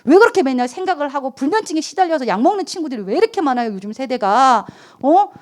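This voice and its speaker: Lively woman preaching to teenagers. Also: high voice, fast. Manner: lively, asks the listeners questions, acts out quoted voices. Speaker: youth pastor. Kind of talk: sermon to teenagers.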